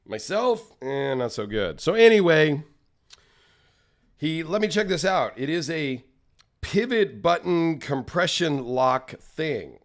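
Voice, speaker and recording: A man hosting a casual solo vlog, chatty and rambling, his voice a little raspy and tired from travel. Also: a little high, big pitch swings, slow pace. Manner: rambling, self-deprecating, chatty. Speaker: knife channel host.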